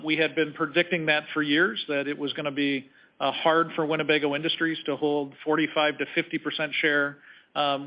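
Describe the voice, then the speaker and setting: A man speaking as a company executive on an earnings call, answering in measured, halting corporate phrasing. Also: a little high. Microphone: conference call line. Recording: slightly dull conference call audio.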